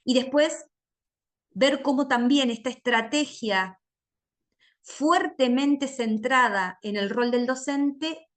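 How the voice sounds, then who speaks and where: Lady teacher explaining phonics, slow and careful, kinda high voice, stretches out sounds. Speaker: literacy teacher giving a training talk. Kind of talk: lecture with phonics demonstrations.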